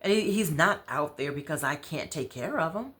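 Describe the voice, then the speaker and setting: An American woman voicing a troubled, proud mother in a story, confiding in a halting, conversational way. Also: deep voice, lively intonation, fairly bright tone. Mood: frustrated.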